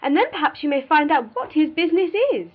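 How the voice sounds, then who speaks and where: A woman's voice: high-pitched, huge pitch swings, fairly quick, breathy edge, highs cut off, heavily acted. A woman playing a jovial, teasing older matron who pries insistently in a dramatised classic novel, with exclamations. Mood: excited, insistent.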